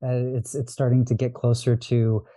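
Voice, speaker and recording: A man with a deeply mellow, dark voice talks through his memories in a loose, rambling way, circling back with restarts. He sounds like a podcast guest in casual conversation. The recording is dry and close, with no room sound. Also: level tone, moderate pace, no room sound. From Los Angeles. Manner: reflective, rambling, frequent restarts and fillers. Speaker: podcast guest, astrologer and diviner.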